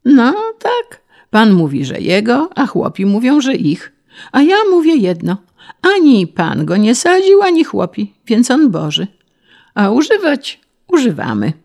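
A man's voice: very high voice, sing-song, a little slow, vocal fry, a little mellow, pitched above the performer's own voice, heavily acted. A woman voicing a stubborn, plain-spoken male peasant farmer with a blunt, homely way of talking.

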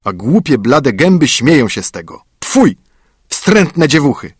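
A man voicing a grumpy, ungrateful little bearded dwarf with a thin, shrill voice who scolds and snaps. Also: very animated, unhurried, husky, no room sound, clean studio sound. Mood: scolding. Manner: scolding, snapping, whining.

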